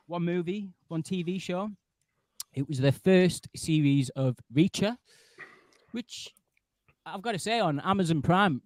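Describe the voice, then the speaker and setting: A man with a fairly high voice, hosting in an informal way. He talks conversationally to a group, and the sound is close and dry. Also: dry recording. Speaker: livestream host. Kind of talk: casual chat.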